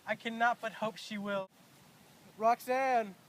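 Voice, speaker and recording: A student voicing Christian, an earnest young male soldier, in a quiet, plain school play reading. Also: medium pitch, little pitch movement, fast, a little hiss or hum, close to an everyday voice. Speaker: student actor.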